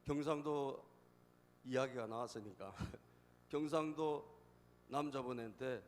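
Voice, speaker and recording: A man's voice: mid-range voice, slow pace. A male pastor preaching a sermon, telling jokes and repeatedly prompting the congregation for responses, stressing key phrases by repeating them. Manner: emphatic repetition of key phrases. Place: church sanctuary. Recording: long church hall reverb.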